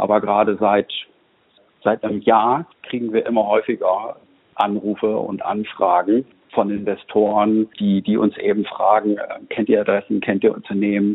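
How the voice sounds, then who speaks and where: Fairly slow speech from a man with a fairly low pitch. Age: 40s. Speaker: maritime industry consultant. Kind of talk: interview. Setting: phone call. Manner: halting, many fillers.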